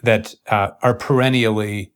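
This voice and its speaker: Low-voiced man, deliberate and halting. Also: steady tone, smooth. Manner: deliberate, halting, formal wording in broken phrases. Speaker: interviewer. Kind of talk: intellectual interview conversation.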